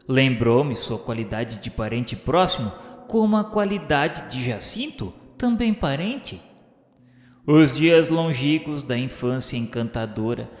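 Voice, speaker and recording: A man's voice: medium pitch, lightly acted. An actor playing a vengeful, cruel former inquisitor confessing his crimes in solemn, theatrical radio-drama narration. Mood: cold, anguished. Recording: roomy reverberant studio, music underneath.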